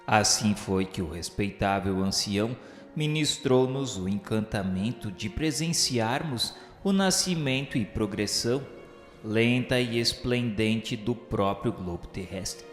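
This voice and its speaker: A man's voice: on the low side, animated, a little slow. A man narrating a radio novel in a solemn, grandiloquent, declamatory literary style. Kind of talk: scripted dramatic literary narration. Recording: echoey hall with faint music. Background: faint music.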